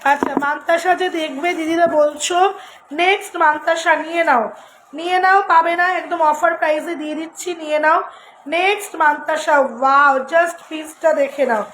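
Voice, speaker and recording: A woman selling jewelry on a live stream, in a flat, husky voice, chatting with viewers and repeating prices over and over. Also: very high voice, moderate pace, slight background noise. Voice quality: flat, husky voice, always so since childhood. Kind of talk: casual live-sale patter.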